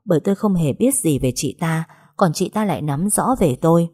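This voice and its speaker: Low-voiced woman narrating a story. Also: animated, dark tone, slightly rough. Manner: measured, dramatic reading. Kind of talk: first-person audio story narration.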